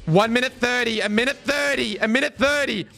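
A young man streaming a game live, excitable and worn-voiced, swinging from mumbles to yells. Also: extremely high pitch, a little fast, vocal fry. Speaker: gaming streamer. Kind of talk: live-streamed gameplay chat.

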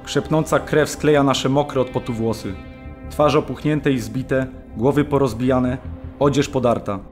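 A man's voice: mid-range voice, fairly even intonation, measured pace, faint music behind, close to an everyday voice. Actor as sorrowful male prisoner witness. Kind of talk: scripted radio drama narration.

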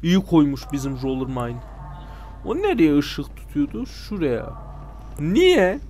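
Gamer guy, slightly high voice, chatty and sarcastic, given to sudden loud outbursts at the screen. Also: a little slow. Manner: excitable, talks back at game characters, sudden loud outbursts; sarcastic grumbling asides. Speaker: let's play gamer. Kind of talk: casual gameplay commentary.

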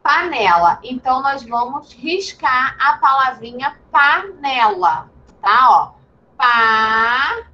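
A Brazilian woman teaching young children over a video call, patient and gentle, calling pupils sweet names. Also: high-pitched, big pitch swings, takes it slowly, muffled recording. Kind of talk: online class for young children.

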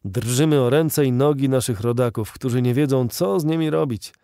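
A man's voice: medium pitch, moderate pace, warm tone, no room sound, studio quality, natural voice. A man reading the lines of an indignant old male artillery veteran in a fervent, declamatory audiobook voice.

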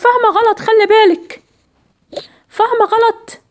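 Woman playing cheating husband, Egyptian accent, pleading, excuses, high voice, doll cartoon. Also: fairly even intonation, moderate pace. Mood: defensive. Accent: Egyptian Arabic. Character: sheepish cheating husband, man, apologetic.

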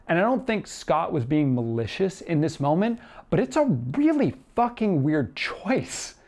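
A man's voice: mid-range voice, darkish tone. A man in his thirties giving a conversational, scripted theatre review, arguing both sides with himself in an opinionated, emphatic manner. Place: small indoor room with shelves and TV. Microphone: lapel mic.

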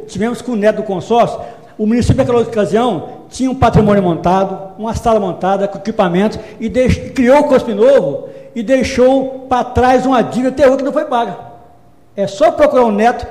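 A man's voice: high voice, dark tone. A man, a city councillor, giving a formal floor speech in a council chamber and earnestly repeating his position. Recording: echoey hall with long reverb.

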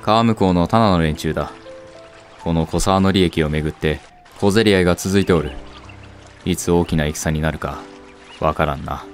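A man's voice: sits low, normal speed, long pauses, soft background music, close to an everyday voice. A man playing a proud, fatherly samurai castle lord in a period voice drama, speaking in an archaic, lordly way. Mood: grave. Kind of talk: Japanese period voice drama acting.

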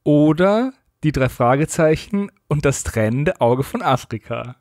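Casting: male co-host, casual chat, slightly high voice, dry recording. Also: lively intonation, unhurried, darkish tone, no echo. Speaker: podcast co-host.

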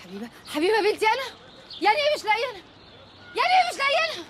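A woman's voice: on the high side, rapid-fire, natural voice. An actress playing a panicked Egyptian mother who pleads and keeps repeating her questions while hunting for her missing daughter. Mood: frantic. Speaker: frantic mother. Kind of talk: film drama acting. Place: outdoors at a sports club. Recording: loud music and crowd noise.

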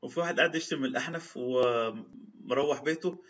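The audio is a bit muffled and lo-fi. An Egyptian-accented religious speaker, medium in pitch, brisk, and slightly bright, retells old stories and quotes formal classical Arabic in his storytelling talk.

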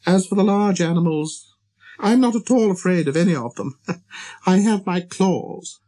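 A man's voice: high-pitched, lively intonation, a little slow, warm tone, pitched above the performer's own voice. A man voicing a proud, vain female flower in a storybook, haughty and brave while hiding hurt. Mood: brave resignation.

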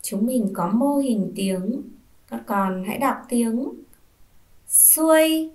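A woman's voice: a little high, slow, darkish tone. A woman teacher giving a first-grade reading lesson, patiently spelling out sounds and asking the children to repeat. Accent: Vietnamese. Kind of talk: slow, clear classroom reading lesson.

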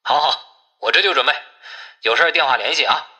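A man's voice: a little high, fast, pushed and bright. A man voicing a grumbling, superstitious village man in an audiobook, exclaiming and reluctant, through a telephone effect. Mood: placating.

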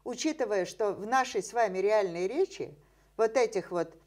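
An older woman talks as a scientist guest on an interview program, her voice at an ordinary middle pitch. She explains animatedly, scattering fillers and rhetorical questions, recorded seated indoors in a dim room. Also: normal speed, darkish tone.

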